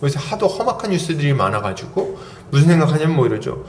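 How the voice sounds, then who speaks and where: A pastor in his forties preaching a sermon, asking his congregation lively rhetorical questions. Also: on the high side, fast talker. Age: 40s. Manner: animated, asks the congregation many rhetorical questions. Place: church sanctuary. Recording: roomy church echo, faint background hum.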